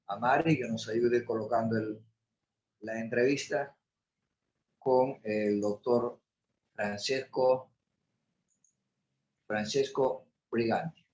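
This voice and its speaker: A man's voice: medium pitch, fairly even intonation, takes it slowly, pauses often, a little mellow, lo-fi sound. A male host introducing and interviewing a guest in a formal, courteous way, with some fillers. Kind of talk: broadcast interview hosting.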